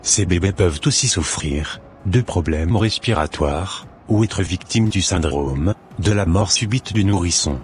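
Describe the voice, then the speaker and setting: A man voicing an earnest Christian big brother in a cartoon, speaking in a measured, didactic, preachy way. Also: low-pitched, a little mellow, soft background music. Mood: instructive. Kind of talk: scripted cartoon dialogue, expository.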